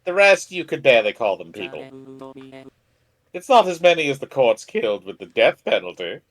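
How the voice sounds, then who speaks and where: A man's voice: medium pitch, very animated, moderate pace, fairly bright tone, soft background music, low-quality recording. A man playing a weary, casually amoral serial killer housemate in a game, pleading in a matter-of-fact way. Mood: resigned, self-justifying.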